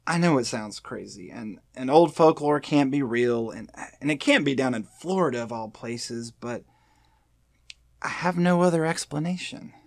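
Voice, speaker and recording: An actor playing a weary, haunted senior FBI agent in an audio drama, speaking in a grave, halting, pleading way. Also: male voice, medium pitch, animated, gravelly, no room sound, clean studio sound.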